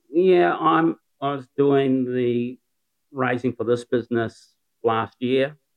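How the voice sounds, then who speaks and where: In a New Zealand accent, a man speaks very slowly at a medium pitch with ordinary pitch variation. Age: 60s. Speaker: serial entrepreneur. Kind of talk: interview.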